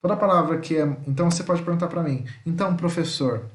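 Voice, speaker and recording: A male teacher giving an online language lesson, explaining patiently and checking in after each point, sometimes sounding out words slowly. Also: fairly high pitch, roomy sound.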